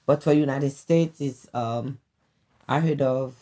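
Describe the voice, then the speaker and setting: A woman's voice: rumbling low, takes it slowly, mellow. A woman from Haiti with a Haitian accent, chatting as a guest and telling stories with laughter in simple English. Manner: laughs while telling anecdotes, plain broken English. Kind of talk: casual conversation, storytelling.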